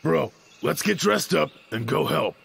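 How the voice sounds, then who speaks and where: A man voicing an easygoing big male bear in an animated cartoon dub. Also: a little high, unhurried, vocal fry, full character voice. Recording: music behind the voice.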